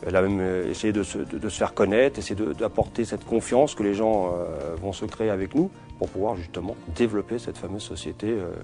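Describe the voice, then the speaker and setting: A man's voice: fairly low pitch, brisk, few pauses, dark tone, soft background music. A man in his forties, from Portugal, answering interview questions in a hesitant way, with many fillers and restarts. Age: 40s. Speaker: security company owner.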